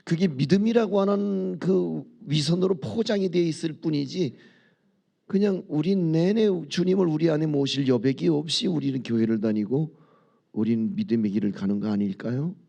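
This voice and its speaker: Mellow-voiced male pastor preaching. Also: a little high, normal speed, gravelly. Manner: conversational storytelling with rhetorical questions to the congregation; leads congregation in reading and prayer. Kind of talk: sermon at a dawn prayer service. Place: church sanctuary.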